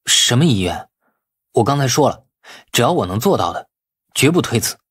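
Man acting a husky, animated underdog businessman. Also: medium pitch, moderate pace, no echo, studio quality. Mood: eager, urgent. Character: Lu Ming, male businessman, cocky yet easily flustered underdog. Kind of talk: dramatized audiobook dialogue.

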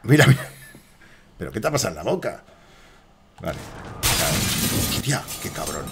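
A streamer with a Spain Spanish accent talks live over the horror game he's playing, swearing often and erupting excitedly at enemies and his chat. His voice is low-pitched with vocal fry and a breathy edge, delivered at a normal speed.

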